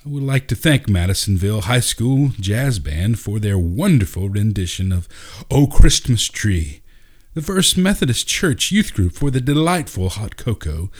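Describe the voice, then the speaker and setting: A man's voice: on the low side, big pitch swings, normal speed, husky. A man voicing a grandiose theater director who addresses a town crowd with theatrical, announcer-like proclamations in a storybook reading. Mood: grand, proclaiming.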